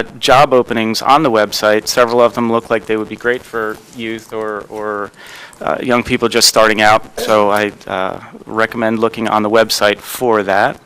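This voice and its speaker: A man serving as mayor, giving rambling remarks at a township council meeting with many pauses and fillers. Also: medium pitch, fairly bright tone, clear, resonant tone, poor audio. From New Jersey. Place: council chamber.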